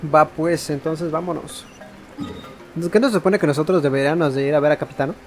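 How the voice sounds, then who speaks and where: High-voiced Mexican man commenting on gameplay. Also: steady tone, fast. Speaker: gamer narrating his playthrough. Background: game music.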